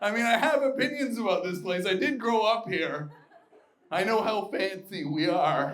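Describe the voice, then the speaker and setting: With lively intonation and a high pitch, a man talks at a moderate pace against audible room echo and noticeable background noise. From eastern Canada, Dartmouth side of Halifax, Nova Scotia. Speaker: stand-up comedian. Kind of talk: stand-up. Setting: stage with audience. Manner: animated.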